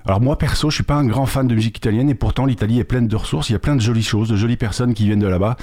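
A man hosting a radio interview, relaxed and teasing, asking long winding questions. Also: mid-range voice, very fast. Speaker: radio host. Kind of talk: conversational interview.

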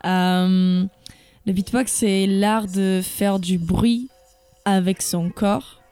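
Mellow-voiced woman. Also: medium pitch, fairly even intonation, drawn-out words, smooth, dry recording, soft background music. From Portugal. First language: Portuguese. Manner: hesitant, many fillers. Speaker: guest beatboxer. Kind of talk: casual interview chat.

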